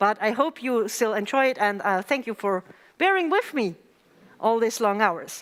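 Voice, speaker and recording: A woman with a non-native accent speaks in a fairly high voice. Her intonation is lively and her loudness very even. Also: moderate pace. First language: not English. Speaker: workshop trainer. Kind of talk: lecture.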